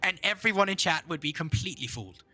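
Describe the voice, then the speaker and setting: A man commentating an esports match in a very bright, sharp voice. He talks at a rapid clip and leaps up in pitch when the action heats up. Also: faint music behind. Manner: rapid, excitable, jumps up in pitch on big plays. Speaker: esports caster. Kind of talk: analytical game commentary.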